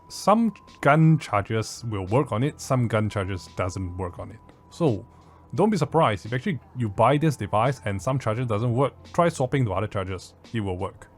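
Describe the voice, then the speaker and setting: A man with a Southeast Asian accent giving a casual product review in a blunt, informal, mildly sweary way. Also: medium pitch. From Southeast Asia. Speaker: audio gear reviewer.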